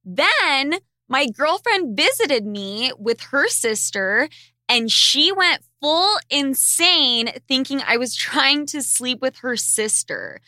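Reading listener questions on her casual podcast, a young host of Argentine family answers bluntly, cracks crude jokes and laughs frequently. She has a high-pitched, bright voice with a forceful tone. The studio sound is clean, with no echo.

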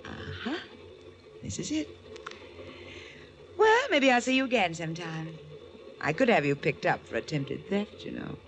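A woman's voice: lowish voice, big pitch swings, a little slow, pauses often, background noise. An American actress playing a shrewd, self-assured female investigator in a 1940s radio drama. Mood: cool, amused.

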